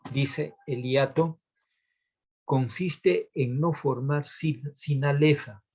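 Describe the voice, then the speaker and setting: A male literature teacher walks through verse meter in a recorded lesson. He speaks slowly and deliberately, in a slightly high voice. He counts syllables out loud one at a time and keeps checking in with a questioning "right?". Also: husky. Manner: asks rhetorical checks like "¿Bien?".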